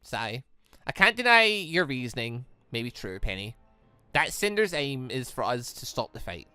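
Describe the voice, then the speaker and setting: Game music accompanies a rambling let's play commentator who reads visual novel text aloud and keeps restating things while working through his thoughts. He speaks in a mid-range voice, very animated yet unhurried, smooth, and free of room sound.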